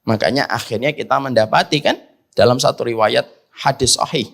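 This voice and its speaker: A man preaching a sermon in an animated way, asking rhetorical questions and swinging between loud emphasis and soft asides. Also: medium pitch, a little fast, gravelly. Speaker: Islamic preacher.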